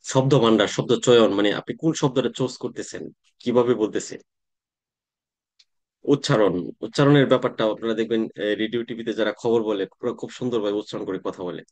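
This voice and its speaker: A man, teaching an online class in a relaxed, conversational way, often pausing to check that students follow. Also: mid-range voice. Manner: conversational teaching with frequent "তাই না?" check-ins and hesitations. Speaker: tax exam coaching instructor.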